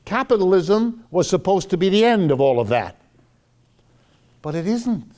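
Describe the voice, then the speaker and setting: A man's voice: sits high, very animated, normal speed, a little mellow. An American man giving a live public lecture in an emphatic, dramatic manner, leaning on repetition and rhetorical questions.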